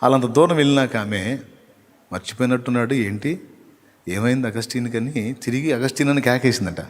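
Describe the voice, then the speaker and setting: A man's voice: mid-range voice, a little fast, big-room sound. A male pastor preaching a live sermon, firing rhetorical questions at the congregation and teasing them with acted asides. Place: church hall.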